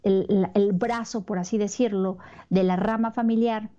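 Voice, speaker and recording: A woman from Mexico with a Mexican accent giving a Catholic religious talk, pausing often with fillers and repeated words. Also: medium pitch, fairly even intonation, warm tone. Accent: Mexican Spanish. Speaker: Catholic speaker. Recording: dull lo-fi recording.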